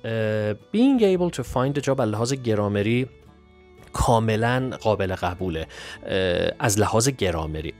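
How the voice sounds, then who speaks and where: Male English tutor, methodical explainer, mid-pitched, faint music bed. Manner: methodical, reads English examples slowly and clearly. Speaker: English teacher. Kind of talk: exam answer walkthrough.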